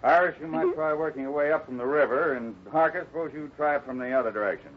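A man playing a steady, fatherly cowboy ranch boss in a 1950s radio serial, firm and plain-spoken as he takes charge. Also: fairly high pitch, quick pace, lightly acted. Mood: businesslike. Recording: muffled, noisy old radio recording.

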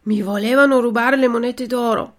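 A woman's voice: fairly high pitch, steady tone, moderate pace, voice pushed up, lightly acted. A woman voicing an impulsive wooden puppet boy who talks eagerly and exclaims a lot.

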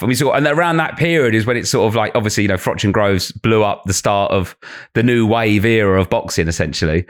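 A man appearing as a comedian guest on a podcast, talking in a chatty, rambling, self-deprecating way. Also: mid-range voice. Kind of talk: casual interview chat.

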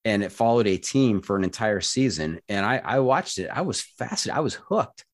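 An American man hosting a podcast, asking calm, measured interview questions and often repeating words as he thinks. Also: fairly low pitch, dry recording, studio quality. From United States. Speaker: podcast host.

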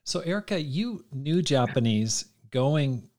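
A podcast host who asks questions and encourages the guests with steady affirmations. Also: medium pitch, slow. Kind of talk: casual interview questions.

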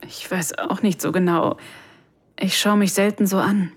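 Soft, breathy, vulnerable lover. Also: female voice, mid-range voice, steady tone, unhurried, dry recording. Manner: soft, breathy, often sinking into a whisper. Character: vulnerable, shy mature woman rediscovering desire. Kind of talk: intimate first-person erotic audio drama narration.

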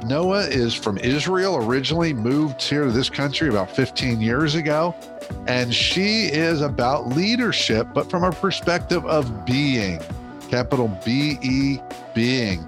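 A man works as a podcast host, presenting in a mid-pitched voice. He introduces the show and guest, with music audible in the recording. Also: animated, unhurried.

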